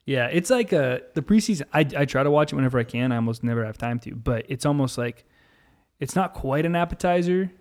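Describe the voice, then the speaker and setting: A man with a middle-pitched voice co-hosts a podcast. He speaks informally and conversationally, chatting along with the others. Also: animated, fast talker. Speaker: podcast co-host. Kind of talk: casual chat.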